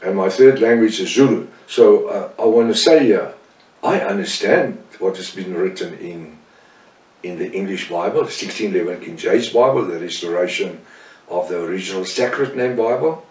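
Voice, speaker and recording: A man's voice: sits low, normal speed, darkish tone. A man with a South African Afrikaans accent teaching the Bible, emphatic, often repeating and correcting himself. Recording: roomy sound from a distant mic.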